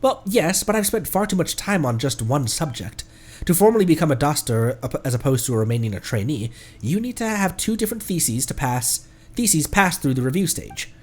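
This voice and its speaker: A man voicing an earnest young male scholar in training, reading the game lines in a measured, explanatory way. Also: a little high, animated, a little mellow, breathy edge. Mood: explaining.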